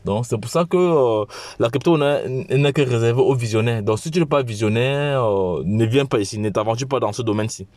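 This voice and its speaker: A man with a cold giving an informal promotional pitch as a channel host, halting and often repeating his phrases. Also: darkish tone, dry recording. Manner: halting, repetitive, with frequent restarts. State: has a cold.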